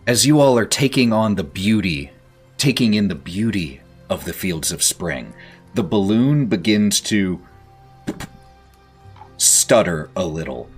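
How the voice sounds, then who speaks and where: A man with a low voice narrates a tabletop fantasy game as its game master. He takes his time, painting scenes in measured, descriptive phrases. Faint music plays behind him. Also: a bit bright.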